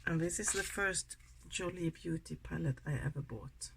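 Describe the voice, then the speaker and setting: This beauty vlogger, a Swedish woman in her sixties with a Swedish accent, talks her way through a makeup tutorial in a chatty, rambling, soft-spoken way. She sounds low and gravelly at a normal speed, and the low-quality recording carries a little hiss or hum.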